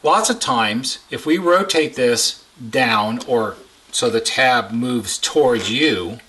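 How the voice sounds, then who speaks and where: Man, repair technician, bright crisp-edged tone, mid-pitched, informal tutorial, plain-spoken, step-by-step, emphatic repetition. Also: animated, slow pace. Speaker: repair technician giving a how-to demonstration. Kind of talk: informal instructional explanation.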